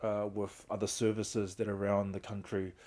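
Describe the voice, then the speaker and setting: Earnest low-voiced New man. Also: level tone, normal speed, darkish tone. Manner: earnest, open, speaks of hard times with emotion. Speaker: guest, founder of a reintegration trust. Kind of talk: candid personal storytelling.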